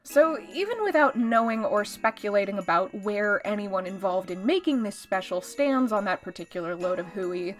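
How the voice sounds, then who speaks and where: A woman's voice: medium pitch, moderate pace, hardly any pauses, soft background music. A woman delivering a scripted video essay with wry, conversational commentary and sarcastic asides.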